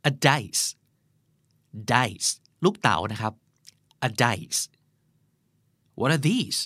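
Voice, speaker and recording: A man hosting a vocabulary lesson podcast, asking quiz questions in a chatty way and repeating each English word slowly and clearly. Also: medium pitch, very animated, pushed and bright, no room sound, clean studio sound. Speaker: host.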